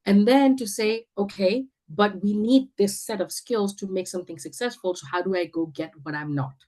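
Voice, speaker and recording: A woman's voice: mid-range voice, normal speed, warm tone, low-quality recording. A woman from India speaking as an interview guest, talking confidently and emphatically with frequent restarts. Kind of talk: casual interview chat.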